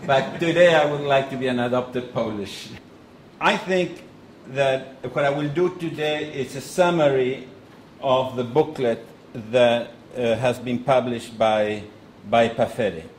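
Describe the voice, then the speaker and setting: Man, Argentine Spanish accent, middle-aged, mid-pitched voice, echoing conference hall, faint background noise. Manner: measured, with frequent restarts and pauses. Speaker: lecturer. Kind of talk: conference lecture.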